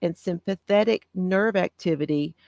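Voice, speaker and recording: A woman hosting a casual live stream, with a soft, calming voice, reading out notes on breathing and answering viewer comments. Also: on the low side, creaky, no echo, studio quality. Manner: gentle, reads aloud with pauses and answers viewer comments. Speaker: craft channel host.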